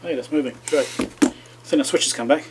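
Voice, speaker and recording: A man's voice: on the high side, fast talker, noisy background. A man hosting a repair video, casually talking himself through the work with chatty asides to viewers. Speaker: electronics repair channel host. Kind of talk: casual running commentary while repairing.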